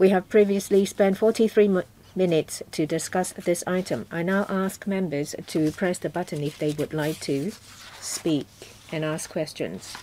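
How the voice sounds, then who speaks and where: Over light background noise, a woman with a fairly low pitch talks at a fairly slow pace in a dark, mellow tone with ordinary pitch variation. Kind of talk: formal meeting chairing. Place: hall. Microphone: podium.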